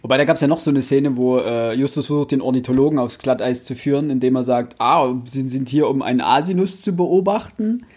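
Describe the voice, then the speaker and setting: A young man co-hosting a casual book podcast, talking in a playful, halting way and acting out examples. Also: mid-range voice, darkish tone. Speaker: podcast co-host.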